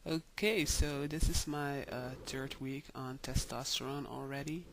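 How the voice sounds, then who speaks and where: Young male vlogger, mid pitch, very slow and hesitant, faint background noise. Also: fairly even intonation, vocal fry, fairly bright tone, low-quality recording. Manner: hesitant, many ums and pauses. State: tired. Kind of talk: casual video diary.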